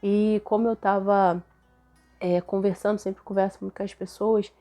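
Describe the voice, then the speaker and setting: A young Brazilian woman with a Brazilian Portuguese accent, hoarse and a little nasal from a cold, chatting casually to camera as host of her faith channel, often tagging her sentences with questions. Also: mid-range voice, flat delivery, moderate pace, warm tone, faint music behind. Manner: chatty, frequent tag questions.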